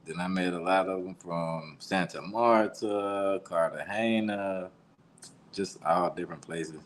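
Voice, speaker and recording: A man from the United States talks in a relaxed, rambling way, full of slang. His voice sits very low. A faint hiss runs under the recording. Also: unhurried. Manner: laid-back, slangy, rambling. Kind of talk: casual chat.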